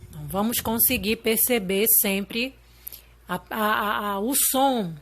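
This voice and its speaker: A woman's voice: fairly high pitch, measured pace, a bit bright, a little hiss or hum. A woman teaching young children in a recorded lesson, explaining patiently and checking in often with "tá?" and "ok?". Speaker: primary school teacher.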